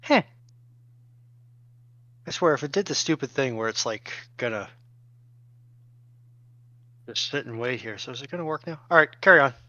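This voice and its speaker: A man's voice: mid-range voice, lively intonation, moderate pace, long pauses, bright, forceful tone, no echo. A man chatting casually as a helper on a show, heard through a lo-fi microphone. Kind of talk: casual chat. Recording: dull, lo-fi dry microphone.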